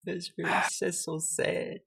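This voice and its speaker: A man's voice: high-pitched, flat delivery, unhurried, vocal fry, a bit bright, slightly rough. A man streaming a mech game, chatting casually and laughing often with a friend. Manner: laughs often, easygoing banter. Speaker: gaming streamer. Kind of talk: casual chat while playing.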